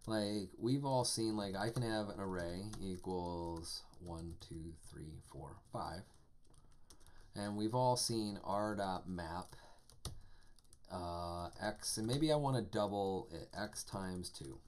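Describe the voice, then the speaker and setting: A man with a somewhat low voice talks through code on a live stream. He is casual and enthusiastic, full of "like" and "um." Keyboard typing clicks in the background. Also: slow pace, darkish tone. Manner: casual, enthusiastic, chatty with filler words. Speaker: programming instructor. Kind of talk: live-streamed coding lesson.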